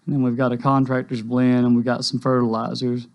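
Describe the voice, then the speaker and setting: A man's voice: medium pitch, flat delivery, fairly quick. Polite man on a dull line. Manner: polite, eager, says "yes, sir". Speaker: rental store guest. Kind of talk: radio interview.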